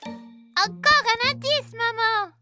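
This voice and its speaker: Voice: very high voice, slow, sharp tone, dry recording, clean studio sound, exaggerated voice. A performer playing a curious, slightly anxious four-year-old boy in a children's cartoon, speaking in short childlike phrases. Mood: eager. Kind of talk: French-language children's cartoon dubbing. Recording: music clearly under the voice.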